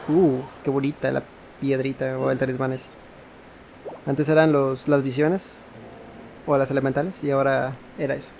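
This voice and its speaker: A man's voice: mid-range voice, level tone, a little fast, vocal fry, long pauses, darkish tone, a little hiss or hum, low-quality recording. Man, casual gaming commentary. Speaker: gaming streamer.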